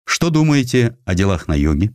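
A man playing a measured, condescending but approving Russian emperor in a dramatized audiobook. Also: lowish voice, sing-song, a little mellow, dry recording, clean studio sound. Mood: measured, appraising. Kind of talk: audiobook character acting.

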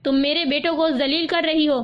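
A woman's voice: sits high, fairly even intonation, lo-fi sound, lightly acted. Woman reading as a furious scolding older uncle. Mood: enraged. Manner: shouting, scolding harshly.

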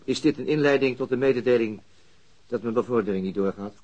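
An actor playing a dry, disillusioned police detective in a radio drama, politely ironic and deadpan. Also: male voice, mid-range voice, fast, dull audio, natural voice. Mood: guarded, dry.

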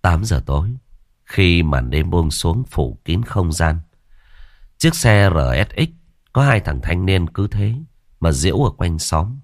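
A man's voice: low voice, lively intonation, takes it slowly, dry recording, studio quality. A man narrating a ghost story in a vivid, colloquial way.

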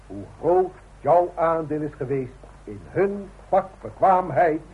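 An actor playing a hearty, formal boss in a Dutch radio play, jovial and oratorical. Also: male voice, fairly high pitch, expressive, slow. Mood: hearty, ceremonial. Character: hearty, formal male boss giving a speech. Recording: noisy, tinny, narrow-band old radio recording.

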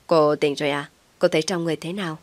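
A woman voicing a kind, steady young man who speaks calmly and reassuringly. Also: low voice, quick pace, no echo, lightly acted. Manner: calm reassuring, a little teasing.

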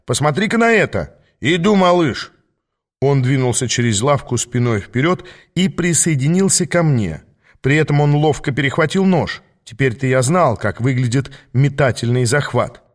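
A man narrating an audiobook in a measured storytelling manner. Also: mid-range voice.

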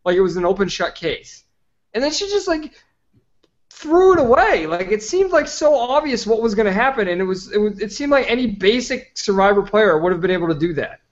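A man's high, lively voice moves a little fast as he holds forth as a guest on a casual podcast. Long-winded and opinionated, he drops "like" constantly, all captured in slightly dull lo-fi audio.

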